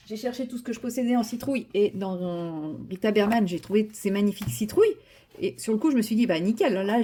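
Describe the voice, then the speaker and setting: A woman's voice: mid-range voice, warm tone, husky. Brief: woman vlogger, casual rambling chat at home, lots of ums and restarts. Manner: chatty, rambling, many fillers and restarts.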